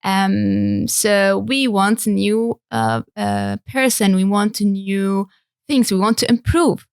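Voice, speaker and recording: Young woman from Syria, gravelly voice, interview guest, halting delivery. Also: medium pitch, lively intonation, dry recording, clean studio sound. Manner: halting, frequent fillers. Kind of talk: interview talk.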